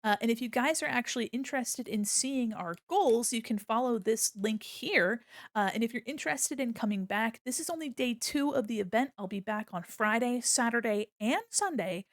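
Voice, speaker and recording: A woman's voice: a little high, normal speed, dry recording, clean studio sound. A woman hosting a casual livestream, chatting to viewers in a cute, bubbly, playful and gushing anime-streamer manner. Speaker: livestream host, illustrator and animator.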